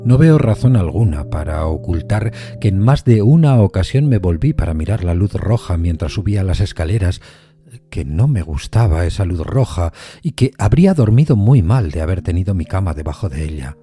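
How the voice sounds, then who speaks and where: Low, very dark-voiced male storyteller. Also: sing-song, normal speed, soft background music. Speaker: narrator. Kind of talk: literary suspense story narration.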